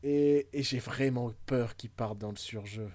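A man's voice: medium pitch, measured pace, a little mellow, no echo. A man co-hosting a podcast, chatting casually about films in a rambling, hesitant way with frequent fillers and jokes. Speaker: podcast co-host. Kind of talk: casual film chat.

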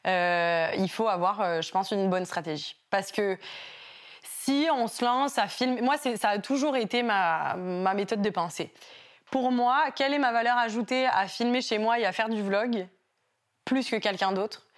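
Young woman guest, hybrid French-Québécois accent, lively storyteller. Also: medium pitch, moderate pace. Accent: mix of French and Québécois. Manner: animated storytelling, acts out quotes. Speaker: YouTuber guest. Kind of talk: casual interview talk.

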